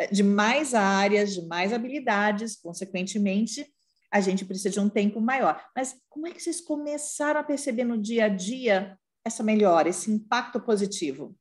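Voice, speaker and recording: A woman from Brazil, a speech therapist moderating a roundtable with patients, explaining and often adding "né?" tags. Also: medium pitch.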